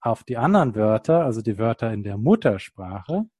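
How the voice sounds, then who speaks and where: A male podcast host talks through language-learning examples, rephrasing patiently for his guest. His voice sits at an average pitch and sounds close and dry, with little room around it. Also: very animated, moderate pace, mellow, husky, no room sound. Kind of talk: casual interview.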